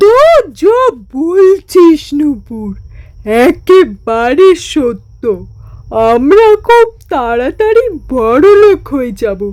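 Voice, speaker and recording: A woman uses a cartoonish character voice, high-pitched with very wide pitch swings. She speaks at a very slow pace. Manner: homely, affectionate, talkative.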